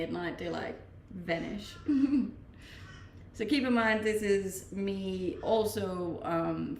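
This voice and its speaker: This fairly low, gravelly voice belongs to a young native Danish speaker from Denmark, who relaxes on a home live stream and reads each chat question aloud before she replies. The mic is distant, the room sounds roomy, and there's slight background noise.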